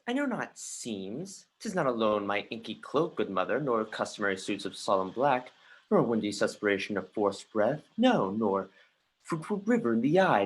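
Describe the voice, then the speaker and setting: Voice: medium pitch, low-quality recording. An actor playing a grieving, bitter young prince in a livestreamed Shakespeare reading, with brooding, emphatic verse delivery. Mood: sardonic.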